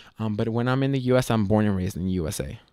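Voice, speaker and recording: A man speaks at a medium pitch with an animated tone. The recording is very clean, with a silent background. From USA. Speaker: podcast host. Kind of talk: solo casual monologue. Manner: animated, many fillers.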